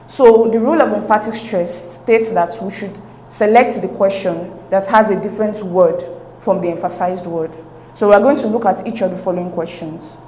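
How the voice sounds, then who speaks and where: A woman's voice: mid-range voice, darkish tone, slight background noise. A woman hosting an exam-prep lesson. She reads each question aloud, then walks steadily through the options. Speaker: teacher and channel host. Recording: echoey room.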